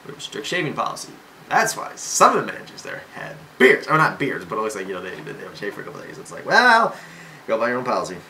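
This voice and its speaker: A young man of eighteen rambles to his camera at home, jumping between thoughts and tripping over restarts. His voice is bright and sharp, and his pitch swings widely as he talks. A faint hiss of room noise sits behind him. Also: wildly swooping pitch, quick pace, creaky. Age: young adult. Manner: rambling and self-interrupting, with many fillers and restarts; jokey and self-mocking. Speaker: vlogger. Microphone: camera mic.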